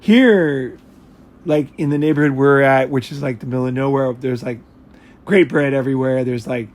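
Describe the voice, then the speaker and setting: A man's voice: mid-range voice, fairly even intonation, moderate pace, darkish tone. An American man chatting casually in a rambling, blunt way, with frequent swearing. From United States. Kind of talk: casual chat.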